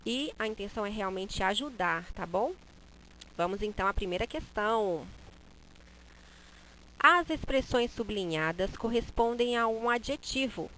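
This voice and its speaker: Brazilian woman teacher, video lesson, expressive, mid-pitched, faint noise behind. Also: low-quality recording. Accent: Brazilian Portuguese. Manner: expressive, acts out interjections.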